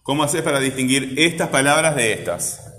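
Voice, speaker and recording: A man's voice: medium pitch, animated, moderate pace, a bit bright. Male teacher, questioning classroom manner; roomy, slightly noisy room sound. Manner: questioning, coaxing students with repeated checks. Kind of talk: classroom grammar lesson. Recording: roomy classroom echo, faint ambient noise.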